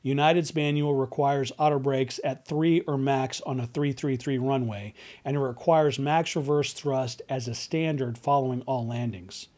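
Man in his forties, medium pitch, scripted narration, video host, studio desk mic. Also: steady tone, moderate pace, darkish tone. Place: indoor studio. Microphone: desk microphone on boom arm.

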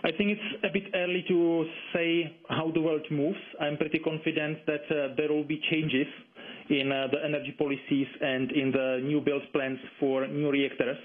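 Even-toned man on the phone. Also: on the high side, normal speed. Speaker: interviewed environmental campaigner. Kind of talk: explanatory interview answers. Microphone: telephone. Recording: dull, band-limited phone line.

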